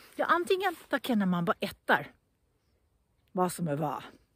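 With a Gotland accent, a woman talks in very wide pitch swings, recorded dry with no echo. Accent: Gotlandic dialect. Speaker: dialect video host. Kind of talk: dialect grammar lesson to camera. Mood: playful, humorous. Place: open country. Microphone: phone near.

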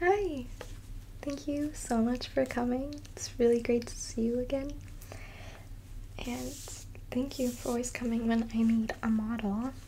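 A soft-spoken woman's high voice with ordinary pitch variation, at a fairly slow pace with long, frequent pauses, over light background noise. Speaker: ASMR creator. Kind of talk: ASMR personal attention roleplay.

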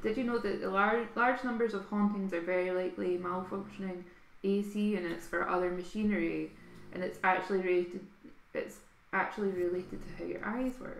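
A normal speaking voice moves at a fairly quick pace with fairly even intonation. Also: woman, medium pitch for a woman. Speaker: co-host reading chat comments. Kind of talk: casual live stream chat. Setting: live video stream.

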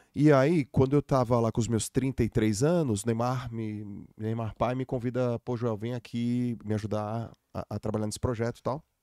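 Recorded dry with no echo, a man with a dark, mellow tone speaks at a moderate pace with hardly any pauses. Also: medium pitch for a man, quiet background. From Brazil, Santos (São Paulo state); São Paulo state, Brazil. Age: 40s. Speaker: podcast host. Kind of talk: casual interview. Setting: studio. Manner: animated. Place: studio. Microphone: studio mic.

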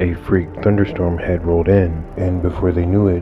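With music in the background, a man speaks at a moderate pace in a very deep, low, monotone, flat voice. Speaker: documentary narrator. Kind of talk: storytelling narration.

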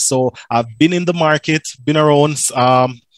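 In a quiet background with a dry sound and no echo, a man speaks with a Jamaican accent. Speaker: job applicant, virtual assistant candidate. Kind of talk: job interview. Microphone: headset.

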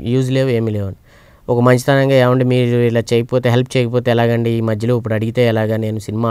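A man's dry voice with no echo, over a quiet background. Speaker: cinematographer; guest. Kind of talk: interview. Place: studio. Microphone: lapel.

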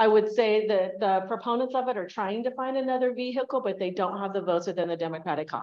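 A woman speaks at a very fast pace in a fairly high voice, with hardly any pauses. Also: ordinary pitch variation. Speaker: lobbyist. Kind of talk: legislative update presentation. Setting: meeting room with live audience, microphone. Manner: fast talker. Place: meeting room. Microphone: camera far.

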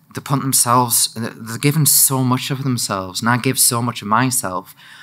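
A man talks with a bright, sharp tone at a moderate pace. His intonation stays fairly even. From UK. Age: 30s. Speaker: detransitioner panelist; panelist. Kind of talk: panel discussion. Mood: earnest, emphatic. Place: hall. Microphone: studio mic.

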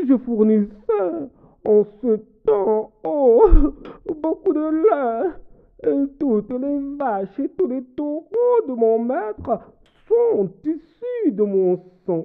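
A put-on character voice with a fairly high pitch moves at a very slow pace, broken by long, frequent pauses. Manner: bitter, sorrowful.

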